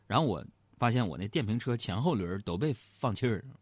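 Man, middle-aged, comic monologue host, bouncy pitch, dry close sound. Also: animated, fairly quick, a little mellow, dry recording. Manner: chatty, teasing, asks the audience rhetorical questions. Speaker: comedy talk show host.

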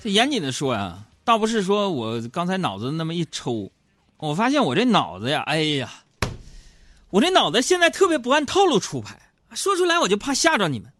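Lively, bright-voiced male radio host. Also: sits high, brisk. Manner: animated storytelling, self-mocking. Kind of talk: comic radio monologue. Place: radio studio. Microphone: studio microphone.

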